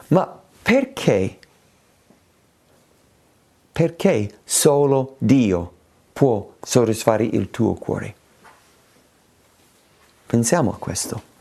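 A man preaching a sermon, reading scripture aloud and explaining it slowly and deliberately, with his pitch rising on emphatic phrases. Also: creaky, warm tone, husky.

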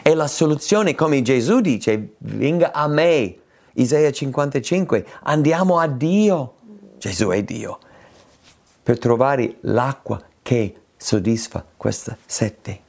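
A man preaching a sermon, reading scripture aloud and explaining it slowly and deliberately, with his pitch rising on emphatic phrases. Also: lively intonation, gravelly, darkish tone.

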